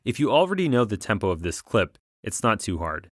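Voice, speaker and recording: A man narrating a software tutorial as an instructor, explaining things clearly step by step on a close voice-over mic. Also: lowish voice, big pitch swings, brisk, no echo, faint music behind.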